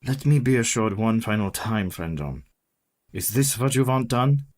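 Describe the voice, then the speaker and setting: An actor playing a methodical older professor hunting a vampire, speaking in a formal, measured way. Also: male voice, lowish voice, expressive, a little mellow, natural voice. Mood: grave. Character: Professor Van Helsing, methodical older male vampire hunter. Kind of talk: community radio play acting.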